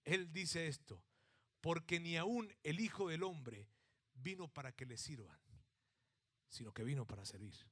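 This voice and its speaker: A middle-aged man from Mexico with a Mexican accent, preaching a sermon with animated storytelling that swings from acted-out shouts to hushed emphasis. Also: on the high side, measured pace, long pauses. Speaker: pastor.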